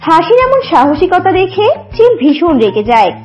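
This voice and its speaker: A woman's voice: extremely high pitch, very animated, normal speed, dull audio. A woman narrating a children's cartoon as storyteller, scripted, with music behind.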